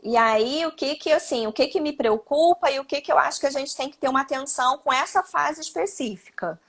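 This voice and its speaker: Woman, Brazilian accent, high-pitched, explanatory, tag questions, live-stream advice. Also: fairly quick. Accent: Brazilian Portuguese. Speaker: psychologist. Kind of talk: live-stream talk giving parenting advice. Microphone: phone or video call.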